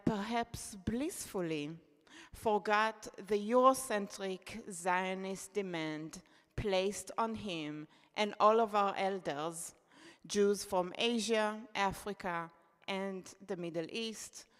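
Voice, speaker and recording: A woman reads her own essay at an unhurried pace. Her pitch sits in the middle of the usual range, and her delivery stays measured and reflective. A long hall reverb trails behind her voice. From Israel. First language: Hebrew. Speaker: contributor reading at a poetry event. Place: event hall.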